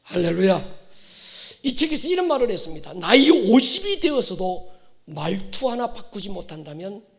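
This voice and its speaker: Male pastor, 50s, high register with a gravelly creak, exhorting a congregation in sermon style, moving between hushed and forceful delivery. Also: sing-song, moderate pace. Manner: exhorting, swings from hushed asides to forceful shouted declarations; prompts listeners to respond and repeat.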